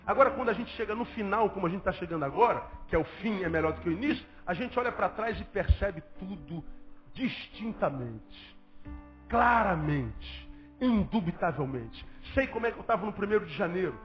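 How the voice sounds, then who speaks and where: A Brazilian pastor with a high-sitting voice and a Brazilian Portuguese accent preaches a sermon at a quick pace with few pauses. He is emphatic and repetitive, firing rhetorical questions at the congregation, over dull lo-fi audio with faint music.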